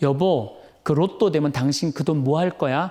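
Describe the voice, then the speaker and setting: Putting on a nasal character voice, a man speaks at a moderate pace and fairly high pitch with very even loudness. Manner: coy, wheedling.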